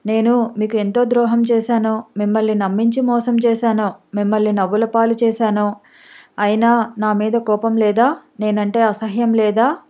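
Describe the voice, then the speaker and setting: A woman voicing a frail, gravely ill young wife who pleads tearfully for forgiveness, read in an audiobook. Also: on the high side, level tone, moderate pace, mellow, lightly acted. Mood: tearful pleading.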